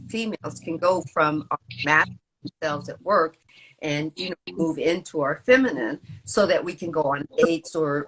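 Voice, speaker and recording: A woman's voice: sits low, a bit bright, breathy edge, poor audio. A woman hosting a podcast, asking a long question with many hesitations. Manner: halting, many "uh" pauses. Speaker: podcast host. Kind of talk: casual podcast interview.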